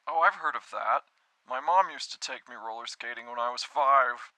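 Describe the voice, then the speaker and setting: A man's voice: mid-range voice, normal speed, bright, forceful tone, dry recording, low-quality recording. A man voicing an earnest, awkward, brooding young man with a sad childhood in a conversational cartoon spoof, talking hesitantly and with self-pity. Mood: curious, amused.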